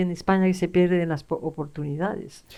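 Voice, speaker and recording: In a non-native accent, a woman keeps a fairly even intonation and a dark, mellow tone. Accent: foreign-tinged Spanish. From French Morocco (Casablanca), raised outside Spain. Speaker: art curator. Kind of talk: public conversation. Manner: halting.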